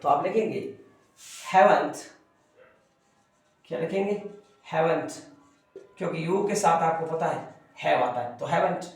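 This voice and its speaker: A man's voice: fairly high pitch, slow pace, long pauses, soft background music. A man teaching an English grammar lesson, repeating key phrases and drilling pronunciation. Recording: echoey room, from a distance.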